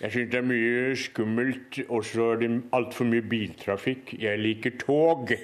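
A man's voice: mid-range voice, steady tone, close to an everyday voice. A man voicing a cheerful, childlike blue male puppet creature who muddles his words, chatting as a guest on morning radio. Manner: slow, muddled, cheerful rambling. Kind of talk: comedic radio guest interview.

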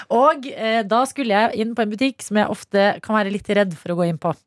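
A woman hosting a morning radio show, chatting casually and telling lively anecdotes. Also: mid-range voice, no room sound, clean studio sound. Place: radio studio.

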